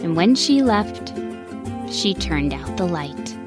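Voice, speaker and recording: A woman gently and expressively reading a rhyming bedtime story aloud. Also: fairly low pitch, animated, slow pace, music in the background. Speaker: storybook narrator.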